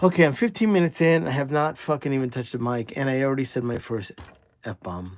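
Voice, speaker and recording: Lively intonation marks this man's very fast speech. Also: medium pitch for a man. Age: 50s. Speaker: ribbon microphone repairer and recording engineer. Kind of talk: casual live stream chat. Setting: studio. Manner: rambling, conversational with fillers.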